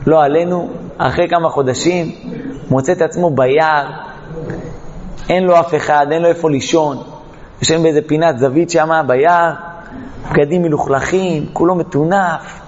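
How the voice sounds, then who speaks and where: A man's voice: fairly high pitch, steady tone, long pauses, long reverb tail, highs cut off, a little hiss or hum. A man teaching a Torah lesson, telling a parable dramatically and acting out the characters. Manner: dramatic storytelling, acts out the characters. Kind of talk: storytelling lesson.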